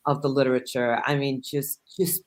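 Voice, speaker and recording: A woman's voice: very deep voice, flat delivery, normal speed, a little mellow. A woman podcast host interviewing a guest, enthusiastic and rambling in her questions with many fillers, over a video call. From United States. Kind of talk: casual interview.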